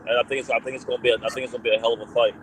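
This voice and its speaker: A man's voice: medium pitch, little pitch movement, rapid-fire, a bit bright, a little hiss or hum. A man speaking as a boxer guest, confident and casual, often restarting his sentences. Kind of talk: guest interview.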